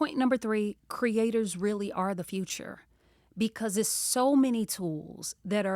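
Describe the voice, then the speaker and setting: A woman with an American accent and an unremarkable speaking voice talks at a medium pitch and moderate pace with ordinary pitch variation, the sound dry and close with no echo. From US South, Atlanta. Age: 50s. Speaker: brand marketing executive. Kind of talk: podcast interview.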